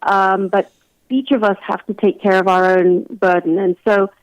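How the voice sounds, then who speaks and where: A woman with an English accent speaks over a dull, dry call-in line. She is a physician explaining things in a measured, reflective way during a radio interview, at a medium pitch. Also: steady tone, no echo. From London, England. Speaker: guest family physician. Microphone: remote call-in line.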